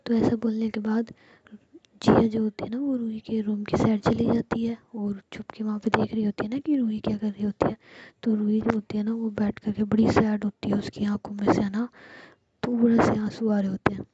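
A woman telling a love story in a soft, intimate, breathy whisper, in a whispered storytelling style. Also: mid-range voice, little pitch movement, moderate pace, highs cut off, a little hiss or hum.

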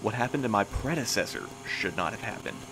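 A man playing a calm, patient middle-aged postmaster who interviews new couriers, speaking gently and in a measured way. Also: on the low side, noisy background. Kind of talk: audio drama acting.

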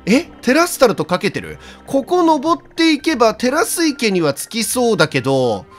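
Lively high-voiced man commentating a game. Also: normal speed. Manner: chatty, laughs often, talks to viewers. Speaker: let's play streamer. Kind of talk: game commentary, reading in-game dialogue aloud. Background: faint game music.

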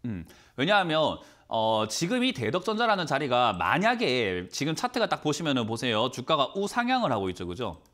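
A man in his thirties with a cold, a stock market mentor on a studio call-in show, talking quickly and asking many rhetorical questions. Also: mid-range voice, huge pitch swings, fairly bright tone. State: has a cold. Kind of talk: financial advice call-in show.

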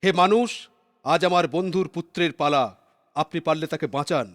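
A man's voice: fairly high pitch, brisk, dry recording, clean studio sound, natural voice. A man voicing an ancient, wise bird who tells old tales dramatically in a children's cartoon. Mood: solemn. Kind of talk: Bengali cartoon storytelling.

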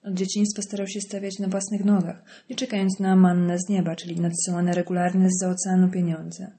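A woman reads an audiobook in a steady, even narration. Her voice sits low and sounds mellow and warm. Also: brisk. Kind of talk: scripted narration.

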